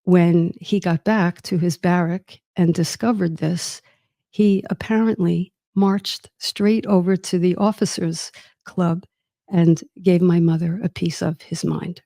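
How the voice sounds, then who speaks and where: Host, woman, middle-aged, reflective storyteller with a dry wit, dark mellow tone. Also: on the low side, steady tone, slow, vocal fry, no room sound. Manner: warm, wry and reflective. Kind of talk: personal storytelling monologue.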